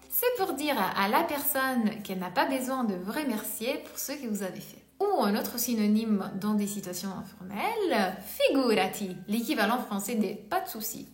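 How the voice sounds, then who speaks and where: Slow-speaking woman teaching Italian words. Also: on the high side. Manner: says each Italian word twice, then gives its French meaning. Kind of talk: slow beginner language lesson, repeating each word. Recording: echoey room with faint music.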